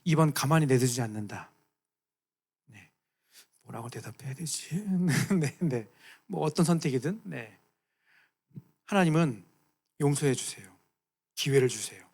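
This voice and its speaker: A man's voice: medium pitch, expressive, unhurried, gravelly, pauses often, darkish tone, slightly rough. A man preaching a playful sermon to students as their youth pastor, acting out voices and asking them questions.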